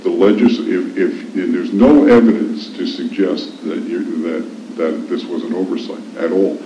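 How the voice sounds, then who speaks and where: A man's voice: low voice, fairly even intonation, a little slow. An American man arguing as a lawyer in court, insistent and repeating his points for emphasis. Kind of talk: courtroom oral argument. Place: indoor courtroom. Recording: echoey, muffled courtroom recording, faint noise.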